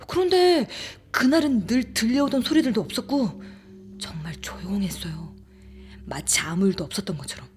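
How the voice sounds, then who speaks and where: A woman playing a frightened young woman who recounts a ghost story in a hushed, confiding, suspenseful way. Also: fairly high pitch, lively intonation, normal speed, soft background music, natural voice. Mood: hushed tension. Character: frightened young woman recounting her haunted rented room. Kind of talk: dramatic first-person horror audiobook narration.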